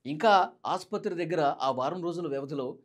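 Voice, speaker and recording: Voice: medium pitch, moderate pace. A Telugu news presenter giving explanatory commentary in a dramatic, emphatic manner, repeating key points.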